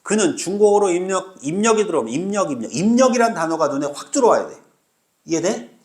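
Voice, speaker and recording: A man teaches an exam-prep reading class on a recording. His voice sits high and swings widely. He keeps throwing quick check-in questions at his students. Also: very animated, darkish tone. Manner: drills students with constant rhetorical questions. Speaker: Korean language teacher.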